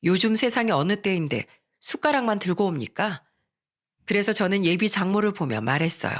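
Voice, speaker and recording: A man narrating a first-person story in a steady, plain reading manner. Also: sits high, a little fast. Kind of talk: scripted narration of a reader's story.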